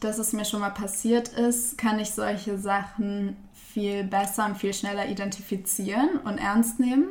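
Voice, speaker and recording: A woman with a fairly high pitch speaks very slowly. Noticeable background noise and audible room echo fill the recording. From Germany, bilingual with English mother. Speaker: podcast guest. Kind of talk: casual chat. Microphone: poor sound quality.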